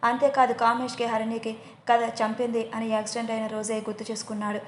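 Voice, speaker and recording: A woman storyteller narrating an audio story in a steady, matter-of-fact way. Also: on the high side, fast. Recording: echoey room, faint hiss.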